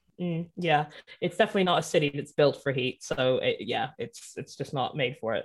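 A woman with an American accent speaks at a very deep, low pitch. She goes at a fairly quick pace with ordinary pitch variation. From international upbringing (Kenya, Ethiopia, Senegal, English boarding school). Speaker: diversity and inclusion consultant. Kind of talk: interview. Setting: video call.

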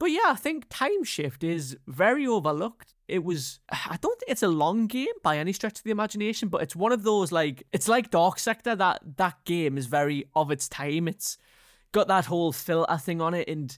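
A man with an English accent speaks at a moderate pace with a high pitch and lively intonation, hardly pausing. The recording is very clean, with a silent background. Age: 20s. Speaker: podcast host. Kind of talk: casual solo monologue.

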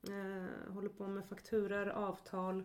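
A woman's voice at a medium pitch. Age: 30s. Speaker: podcast co-host. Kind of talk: casual chat.

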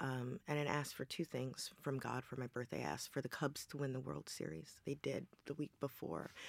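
A woman's very deep, low voice with vocal fry, lively intonation, a fairly quick pace, and hardly any pauses. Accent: American. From Memphis, US South. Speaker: poet and novelist. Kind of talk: interview chat. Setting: studio.

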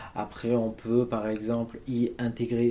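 Here a man talks at medium pitch. His tone is dark and mellow. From southern France. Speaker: entrepreneur, company director. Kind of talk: interview.

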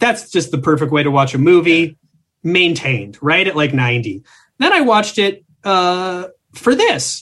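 A high-pitched man with an American accent at a moderate pace, his pitch swinging very widely. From Minnesota. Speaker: film podcaster. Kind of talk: casual chat.

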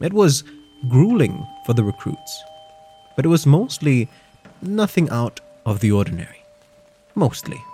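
A man with a fairly high pitch and very wide pitch swings, long, frequent pauses and music in the background. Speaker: horror story narrator. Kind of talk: scripted horror story narration, first-person, told in a hushed spooky tone. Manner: slow, suspenseful, building dread with measured pauses.

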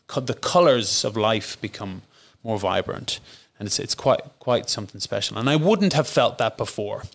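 A man with an Irish accent at a moderate pace, on a very clean recording with a silent background. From Ireland. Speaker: musical theatre performer and dancer. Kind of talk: casual interview chat.

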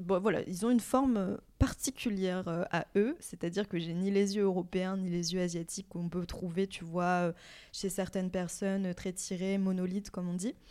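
The woman's voice is medium in pitch and dark and mellow in tone. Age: 20s. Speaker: actress and social media manager. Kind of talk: casual chat.

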